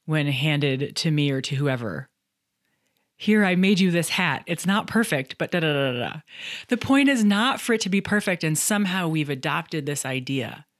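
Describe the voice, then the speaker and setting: A middle-aged woman with a low voice hosts a solo podcast, reviewing books in a candid, chatty manner with a touch of self-deprecating humor. She is a podcast host and coach, recorded in studio quality with no room sound.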